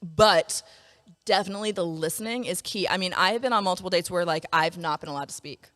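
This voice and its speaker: A woman's voice: on the low side, fast, fairly bright tone, in a large hall. Blunt, swearing woman in her forties. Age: 40s. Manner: blunt, profane storytelling. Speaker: podcast host. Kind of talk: casual chat.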